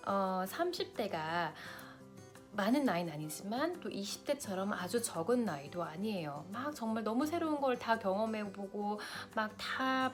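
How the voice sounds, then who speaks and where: Vlogger, woman, late 30s, big-sister advice to camera, faint music under. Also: mid-range voice. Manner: warm big-sister advice, direct address to viewers. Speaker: lifestyle vlogger.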